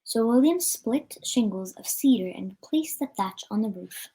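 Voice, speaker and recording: A woman's voice: a little high, animated, unhurried, mellow, rough recording. A woman reading a children's story aloud as a storyteller, with an occasional stumble over the words.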